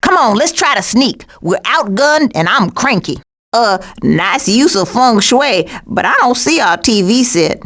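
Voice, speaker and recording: A woman with an American accent voicing a cranky, dry-witted female skunk in an animated video game, with a sassy, sardonic and folksy manner. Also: fairly high pitch, measured pace, exaggerated voice. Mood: sassy, deadpan.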